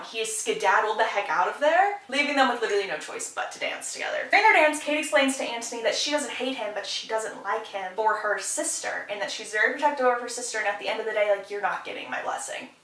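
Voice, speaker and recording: Animated gossipy young woman recapping. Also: on the high side, slight background noise. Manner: animated, gossipy, quick asides. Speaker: host. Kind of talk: casual show recap. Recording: distant echoey room recording.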